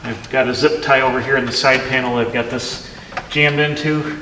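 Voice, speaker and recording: The recording is very noisy, with the reverberant echo of a pole barn workshop. A man with a medium-pitched, steady voice talks at a moderate pace while hosting a DIY video, casually walking through each step as he works, thinking aloud and frequently starting over.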